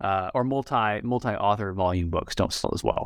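A man's fairly low voice at a moderate pace, with ordinary pitch variation, on a very clean recording with a silent background. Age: 30s. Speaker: scholar and book editor. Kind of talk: interview. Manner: halting, many fillers and repetitions.

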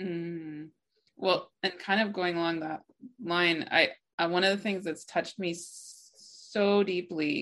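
A woman with a normal speaking voice talks fairly slowly, fairly low in pitch and with fairly even intonation. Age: 40s. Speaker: spiritual teacher and symposium organizer. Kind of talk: casual interview conversation.

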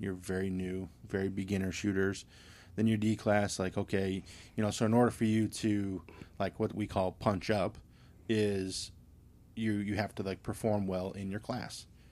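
A man with an American accent, fairly low pitch, monotone, flat intonation, a moderate pace and long, frequent pauses. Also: very clean recording, silent background. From Michigan. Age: 30s. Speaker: charity event organizer. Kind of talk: casual chat. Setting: at home.

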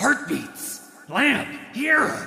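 A man performs a put-on character voice. There is a slight echo. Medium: read story.

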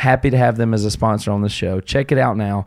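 With a slight Southern US accent, a man talks with ordinary pitch variation. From US South, South Carolina. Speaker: podcast host and touring musician. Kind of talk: casual live podcast monologue and call-in. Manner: halting, with many fillers and restarts.

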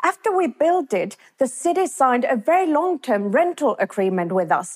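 Recorded with a dry, close sound and no echo, a woman with a Finnish accent speaks with very wide pitch swings. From Finland. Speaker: business professor. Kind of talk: talk to audience.

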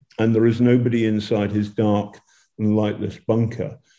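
With a British accent, a man speaks in a dark, mellow tone and a monotone, flat intonation. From UK. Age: old. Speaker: journalist. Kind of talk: interview. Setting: remote call from a war zone.

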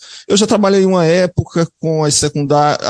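The sound is dry and close, with no echo. A man talks at a moderate pace with ordinary pitch variation. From Ceará, Brazil (Limoeiro do Norte, interior). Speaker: painter and art teacher. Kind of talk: interview conversation. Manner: halting, with frequent repetitions.

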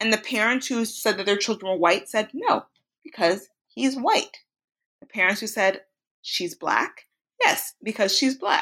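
A woman's fairly high, bright, sharp voice with a Chicago accent. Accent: Chicago American English. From US Midwest, Chicago. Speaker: sociology professor and author. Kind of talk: interview about her book.

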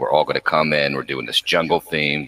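Talking at a fairly quick pace, a man speaks with a Philadelphia accent. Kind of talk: casual chat.

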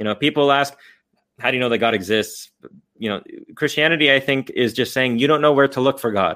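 This man has an ordinary speaking voice and a General American accent. His pitch is medium, with ordinary variation. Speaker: philosopher and theology writer. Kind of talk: casual interview about philosophy and theology.

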